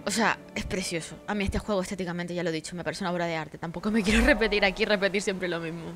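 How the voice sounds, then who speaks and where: Casting note: sleepy woman gamer, talkative and foul-mouthed, dramatic in fights, game music clear underneath. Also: on the low side, steady tone, fast, fairly bright tone. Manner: chatty, swears freely, dramatic cries for help during fights. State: tired, sleepy. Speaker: gameplay streamer. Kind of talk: casual gameplay commentary.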